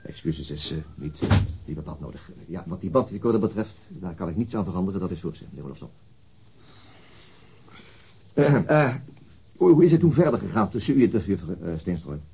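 Radio drama role: courteous, persistent police inspector; very husky, lively pitch, formal probing. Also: male voice, fairly quick, heavily acted. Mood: hesitant, probing.

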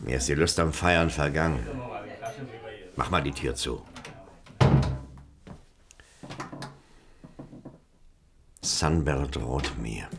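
A man's voice: very deep voice, gravelly, a little hiss or hum, full character voice. An actor playing a shrewd, defensive tribal council chairman in a German radio drama, with a wary, dismissive manner. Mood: brooding, troubled.

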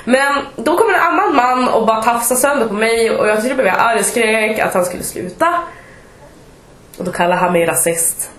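A woman's voice: a little high, a little hiss or hum. A woman, co-hosting a podcast and telling stories in casual chat. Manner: chatty storytelling, animated retelling. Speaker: podcast co-host. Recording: echoey room.

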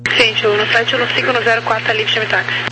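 Brazilian woman, ground controller over two-way radio, fast clipped clearances, heavy static. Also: a little high, flat delivery. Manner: brisk, clipped instructions. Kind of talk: terse radio phraseology. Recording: noisy radio transmission with hum.

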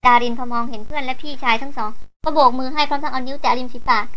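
A woman narrating a novel in a high, bright voice that sits well above most women's. She moves through the text at a fast clip, with an even, steady storytelling read. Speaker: audiobook reader. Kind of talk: scripted narration of an adventure novel.

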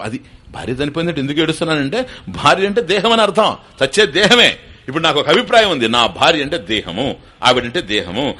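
An older man gives a spiritual discourse, his pitch swinging widely from phrase to phrase. His tone is bright and forceful. He explains patiently and keeps checking with his listeners through questions. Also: husky. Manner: explanatory, asks the audience questions, mixes in English terms. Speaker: spiritual teacher. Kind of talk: Vedanta discourse to an audience.

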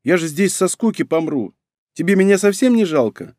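A man doing a young red-haired woman, raising his pitch into a pleading, whining tone. She begs and sulks. The sound is dry and close. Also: expressive, fairly quick, mellow, dry recording. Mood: whiny.

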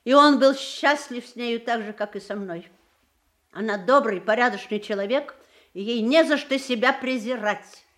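Actress as sharp-tongued middle-aged mom, fairly high voice, controlled and sardonic, stagey soviet audio play. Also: female voice, normal speed, close to an everyday voice. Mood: firm, reproachful. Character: proud, cutting middle-aged wife and mother. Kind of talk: Soviet theatre audio drama acting.

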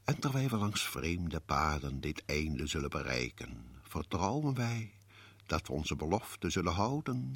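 A man's voice: very deep voice, sing-song, gravelly, a bit bright, breathy edge, no room sound, full character voice. The sinister man in black. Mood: ominous. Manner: slow, theatrical, suspenseful delivery. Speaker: narrator host of a horror radio series. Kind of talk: radio drama narration.

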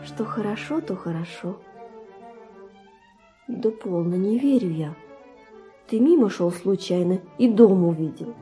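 A woman playing Laura, a dark-voiced flirtatious lover. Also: medium pitch, animated, measured pace, long pauses, faint music behind, lightly acted. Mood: teasing, doubting. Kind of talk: theatrical verse radio drama.

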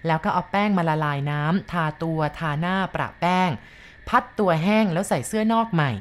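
A woman narrating a ghost story in a slow, measured way. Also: fairly low pitch.

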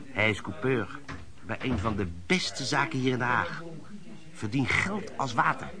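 An actor in a Dutch radio play voicing a knowing, streetwise veteran lodger, talking in a wry, confiding, colloquial way. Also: male voice, mid-range voice, animated, unhurried, crowd noise, natural voice. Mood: wry, amused.

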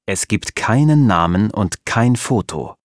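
A curious, thoughtful young woman musing to herself, read by a man in his own low voice. Each word comes slowly and clearly, with a close, dry sound. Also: animated, dry recording. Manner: slow, plain inner thoughts.

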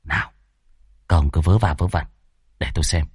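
A man voicing a stern young ghost exorcist who speaks gravely and with authority. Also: low voice, moderate pace, dry recording, clean studio sound, voice pushed down. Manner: grave, commanding.

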